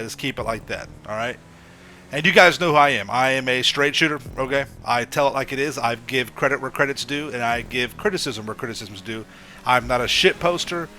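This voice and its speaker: Stuffy-voiced man with a bright tone. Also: medium pitch, slight background noise. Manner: blunt, repeats "okay?" and "right?" to the audience. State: stuffy from a head cold. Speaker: gaming YouTuber. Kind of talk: casual opinion monologue to camera.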